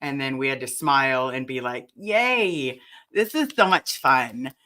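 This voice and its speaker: A woman with a raspy voice hosting a casual livestream chat and talking straight to her viewers. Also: rumbling low, unhurried, slight background noise. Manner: chatty and animated, addresses the chat directly. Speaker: livestream host.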